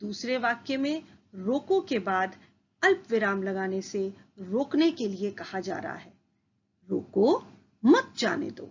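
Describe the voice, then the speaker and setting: Slow, husky woman teaching a lesson. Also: mid-range voice, expressive, muffled recording. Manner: slow, careful, deliberate delivery. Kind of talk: scripted school lesson.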